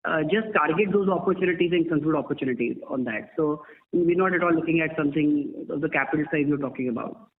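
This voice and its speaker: Indian business guy, kinda high voice, tinny phone line, answering investor questions, says you know a lot. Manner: measured corporate speech peppered with "you know". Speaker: company executive answering investors. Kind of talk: earnings call answers. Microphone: telephone.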